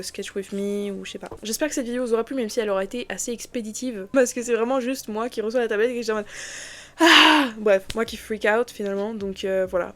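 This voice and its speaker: A woman's voice: mid-range voice, darkish tone. A young adult woman chatting casually to viewers in a vlog, rambling enthusiastically and full of slang as a digital artist reviewing gear.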